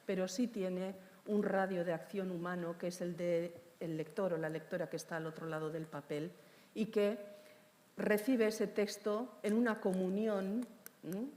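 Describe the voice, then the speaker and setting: Woman poet, panelist; low voice, measured, hesitant delivery; hall reverb. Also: fairly even intonation, a little mellow. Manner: measured, hesitant with many fillers. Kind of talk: panel discussion. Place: large hall with long reverb.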